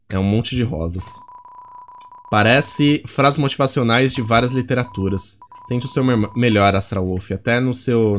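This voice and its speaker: A man's voice: mid-range voice, a little hiss or hum. A man from Brazil doing let's play commentary as a gaming YouTuber, joking, chatty and profane.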